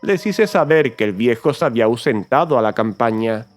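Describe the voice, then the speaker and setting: An actor playing a nervous, gleeful madman confessing to murder in a theatrical horror audiobook, with erratic swings and drawn-out emphatic words. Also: mid-range voice, lively intonation, natural voice. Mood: smug, sly. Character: nervous, gleeful, mad male murderer confessing his crime. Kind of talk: dramatic horror audiobook narration. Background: music.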